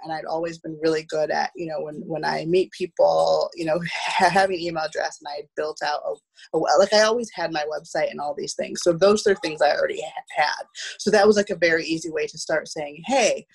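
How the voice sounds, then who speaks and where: Woman chatting on a video call, deep raspy voice, kinda stumbles and restarts words. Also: fairly even intonation, poor audio. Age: 30s. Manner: halting, repeating first syllables of words. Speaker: guest, theatre producer. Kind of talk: casual storytelling in conversation. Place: small room at home, on a video call. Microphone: video call, wearing headphones.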